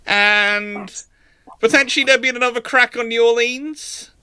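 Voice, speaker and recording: A man's voice: extremely high pitch, fairly even intonation, measured pace, sharp tone, clean tone, dry recording. A man hosting a live question-and-answer session, speaking unscripted in a rambling, self-correcting way as he thinks aloud.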